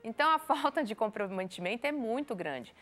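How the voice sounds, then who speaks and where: A woman teacher, a guest on a studio talk show, telling classroom stories in a lively way and acting out what children and parents say. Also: a little high, a little fast. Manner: animated storytelling, acts out children and parents in quoted voices.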